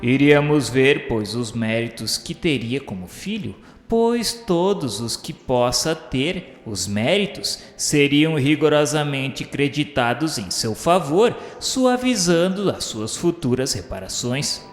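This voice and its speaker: A man's voice: mid-range voice, expressive, slow, few pauses. A man narrating a radio drama from a script in a solemn, formal, literary manner. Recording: echoing, reverberant hall sound with music. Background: background music.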